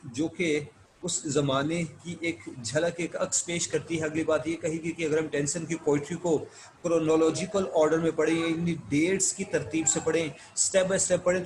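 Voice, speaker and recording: A man giving an online literature lecture, explaining notes step by step and reading English passages out slowly. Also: on the high side, darkish tone, a little hiss or hum, low-quality recording. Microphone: screen-share recording.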